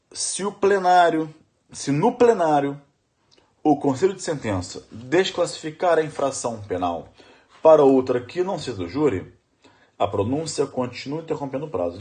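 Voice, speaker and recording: A man's voice: a little high, a little mellow. A middle-aged man with a Brazilian Portuguese accent, giving an emphatic law lecture for exam preparation and repeating questions to his audience. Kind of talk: animated exam-prep lecture.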